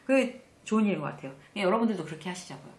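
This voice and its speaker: A woman giving a conversational lecture on workplace manners, acting out the quoted lines in a lively, chatty way. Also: medium pitch, very fast, roomy sound.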